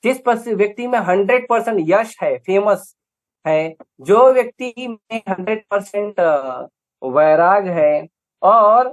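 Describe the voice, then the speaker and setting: A man's voice: sits high, lively intonation, takes it slowly. Emphatic Indian man preaching. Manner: emphatic, rhetorical questions, repetitive lists. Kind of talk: scripture lecture.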